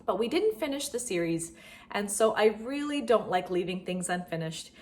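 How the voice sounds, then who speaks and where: A middle-aged woman who hosts a homeschool vlog channel talks casually and directly to her viewers about books. Her medium-pitched voice is sing-song and a little mellow, at a moderate pace.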